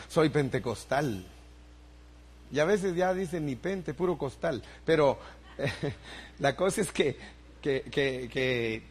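A man's voice: mid-range voice, slightly rough. Older man preaching a sermon. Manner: preaching with rising emphasis and asides to the congregation. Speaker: pastor.

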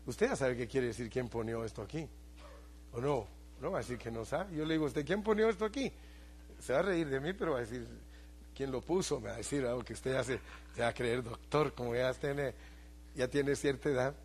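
A man's voice: mid-range voice, fairly quick, breathy edge. An older man preaching as a pastor, talking with his congregation and often putting questions to them. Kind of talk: sermon.

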